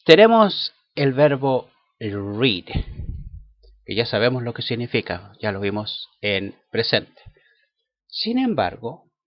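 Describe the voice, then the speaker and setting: Slow-talking man teaching English. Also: lowish voice, no room sound. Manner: slow, careful, spells words letter by letter. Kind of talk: bilingual language lesson. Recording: dull lo-fi sound.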